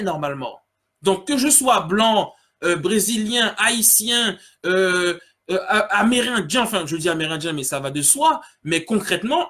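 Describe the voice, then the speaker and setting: A man's voice: high voice, a bit bright, husky. A man hosting a casual solo podcast, reading out listener comments and talking earnestly and directly to his audience. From French Guiana. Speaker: podcast host.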